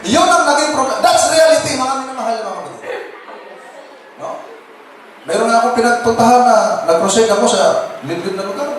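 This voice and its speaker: High-voiced joking male pastor in echoey church. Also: moderate pace. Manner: jokes with the crowd and laughs often; keeps addressing the listeners as brothers and sisters. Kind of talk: humorous sermon to a congregation. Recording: very echoey church from a distance, noisy.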